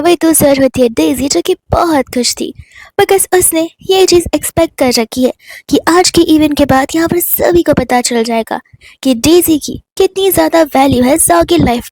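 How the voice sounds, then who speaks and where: A woman's voice: high-pitched, darkish tone, dry recording. A woman narrating a drama recap in a casual storytelling way, mixing in English words. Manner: retells scenes in Hindi mixed with English words.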